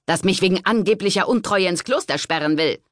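A man reads an audiobook in a voice pitched above his own, voicing a scheming, pregnant noblewoman who is cutting, contemptuous and indignant. His delivery is expressive and lightly acted, at a normal speed, and the studio-quality recording is dry and high-sounding.

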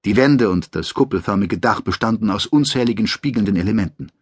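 A man reading a science-fiction audiobook in a measured, dramatic narrating voice. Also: on the low side, animated, husky, no echo, clean studio sound. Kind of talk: scripted narration.

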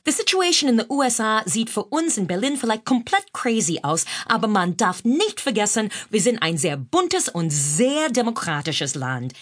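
A woman's voice: fairly high pitch, sing-song, normal speed, hardly any pauses. A woman with an American accent, a native English speaker, reading her own humorous memoir in German and mixing in English phrases. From United States. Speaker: author narrating her own audiobook.

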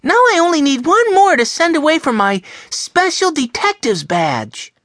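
A man voicing an eager, excitable little boy in a storybook read-aloud. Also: very high-pitched, normal speed, no echo, clean studio sound, voice pushed up, full character voice.

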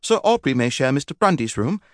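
A man's voice: mid-range voice, big pitch swings, fairly quick, no echo, clean studio sound, pitched above the performer's own voice, lightly acted. A man voicing a flustered, polite young Regency wife who falters when pressed.

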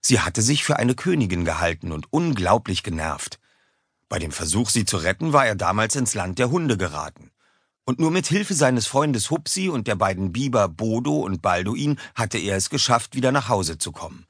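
A man narrating a children's audiobook in a lively, expressive way, recorded on a close studio mic. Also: on the low side, moderate pace, breathy edge, no echo. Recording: dry close studio sound.

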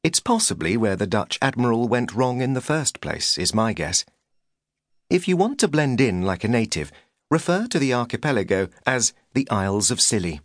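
A man's voice: medium pitch, sing-song, moderate pace, no echo. A man reading a humorous memoir as an audiobook narrator, with a dry, wry delivery.

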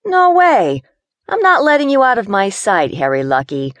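A woman voicing a feisty young city woman who is claustrophobic and quick to panic. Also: medium pitch, wildly swooping pitch, no echo, voice pushed up. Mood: nervous, sassy. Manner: jumpy, sassy, quick to panic.

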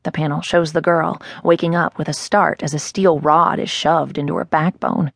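Gravelly-toned woman narrating a novel. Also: deep voice, level tone, normal speed, no echo. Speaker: audiobook narrator. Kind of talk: first-person novel narration. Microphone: close studio mic. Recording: dry studio booth.

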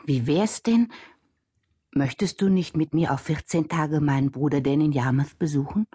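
An actress playing a kind-hearted, homely nursemaid in a radio drama, folksy and fussing. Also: female voice, sits low, moderate pace, mellow, breathy edge.

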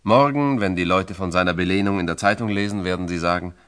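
A man's voice: low-pitched, fast, a bit bright, clean tone. A man narrating a biography from a script in a dramatic, emphatic and solemn storytelling style.

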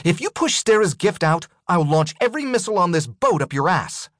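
A man's voice: high-pitched, very animated, brisk, a bit bright, no room sound, studio quality, voice pushed up. A man voicing an aggressive woman warship officer who barks commands and crude threats. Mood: threatening.

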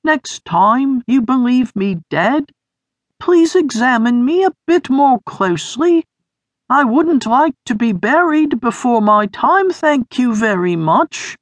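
A reader putting on a high, wheezy little creature. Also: sing-song, slow pace, dry recording, exaggerated voice. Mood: weak, wheezing. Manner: wheezy and breathless. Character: weak, wheezing, plump young male creature.

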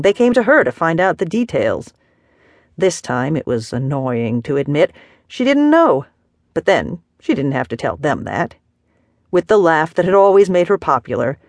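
A woman narrating a novel as an audiobook, measured and expressive. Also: sits low, dry recording, studio quality. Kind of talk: scripted narration.

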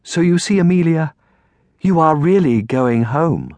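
A man voicing a tender, sorrowful grown woman, a devoted aunt in a storybook, with a gentle, hesitant manner. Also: on the high side, very animated, moderate pace, no room sound, voice pushed up. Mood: forcedly cheerful.

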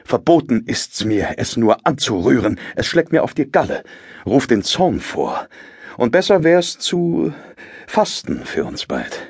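A choleric, bullying master, wildly swooping. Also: male voice, mid-range voice, big pitch swings, a little slow, darkish tone, slightly rough, full character voice. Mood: grimly cajoling. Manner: barking insults, switching to mock-sweet coaxing. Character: loud, choleric master bullying servants and bride. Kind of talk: theatrical classical comedy audio drama.

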